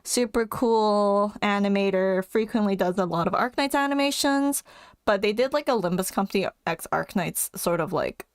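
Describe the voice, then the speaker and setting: A woman streamer chatting casually and excitedly as she reacts, rambling with plenty of fillers and giggles. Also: mid-range voice, moderate pace, no echo.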